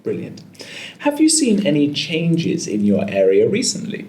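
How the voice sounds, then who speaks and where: Lively encouraging woman examiner. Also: deep voice, measured pace, roomy sound, slight background noise. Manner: encouraging, lots of brief praise. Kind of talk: mock speaking test interview.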